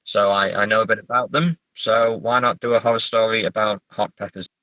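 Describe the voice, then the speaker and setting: A man talking casually as a writer being interviewed, halting as he thinks aloud. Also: lowish voice, sharp tone, dry recording, low-quality recording. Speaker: writer, podcast guest. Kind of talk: casual interview chat about writing.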